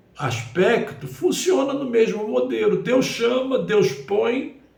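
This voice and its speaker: A man speaks very slowly, his pitch swinging very widely, with audible echo from the room. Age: 70s. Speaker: Bible teacher. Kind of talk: Bible lesson broadcast. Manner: halting.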